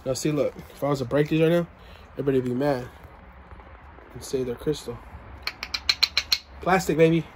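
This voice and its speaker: A young man vlogging as he unpacks boxes in a cluttered storage room, playful and excitable, talking to his viewers on a handheld phone. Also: mid-range voice, a little fast, pauses often, background noise. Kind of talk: casual unboxing vlog. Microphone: handheld phone camera.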